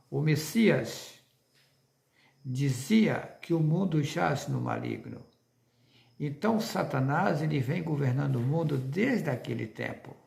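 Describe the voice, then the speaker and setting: Gravelly Brazilian man preaching insistently. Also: a little high, roomy sound. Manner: insistent, with rhetorical questions. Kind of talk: religious monologue to viewers.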